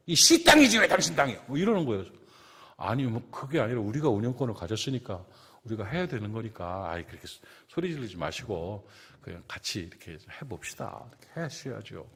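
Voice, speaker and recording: A middle-aged male pastor preaching a sermon, swinging between forceful proclamations and soft, quiet storytelling. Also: mid-range voice, breathy edge. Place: church sanctuary. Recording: reverberant church hall.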